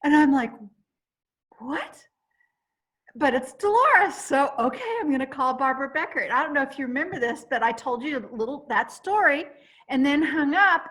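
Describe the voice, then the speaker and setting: A woman hosting a chat, telling a long story in an animated, rambling way with many restarts. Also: high-pitched, a little fast. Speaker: host.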